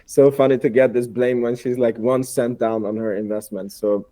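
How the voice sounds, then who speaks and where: Mellow-voiced man from Hungary, chatty. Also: mid-range voice, level tone, moderate pace, a little hiss or hum. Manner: chatty, repeats words, slightly non-native phrasing. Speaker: guest, investor and YouTuber. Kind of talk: casual podcast conversation.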